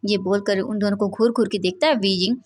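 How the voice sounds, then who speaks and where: A woman's voice: mid-range voice, steady tone, a little fast, darkish tone. A woman casually narrating a fan-fiction love story, mixing English words into her telling.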